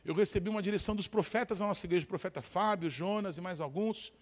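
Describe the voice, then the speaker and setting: A male pastor with a Brazilian accent preaches a fervent sermon. He keeps calling to the congregation for responses. His voice is high for a man. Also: fast. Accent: Brazilian Portuguese. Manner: fervent, repeated call-and-response.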